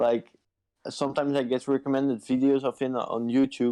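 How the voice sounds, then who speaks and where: A man with a Dutch accent speaks at a fairly quick pace in a dark, mellow tone with fairly even intonation. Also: dry, close sound with no echo. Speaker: dota player being coached. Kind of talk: coaching session. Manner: halting.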